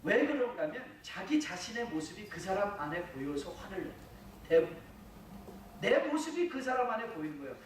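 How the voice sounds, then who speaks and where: A man preaching a sermon as pastor, earnest and lively, with chuckling asides. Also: very high-pitched. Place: church sanctuary. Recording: echoey hall, from far off, faint noise.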